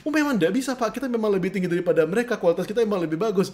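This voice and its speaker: A man's voice: sits high, racing, a little mellow, pitched above the performer's own voice, natural voice. A man voicing a flustered male vendor who keeps giving in on price, in an acted-out sales dialogue. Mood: conceding.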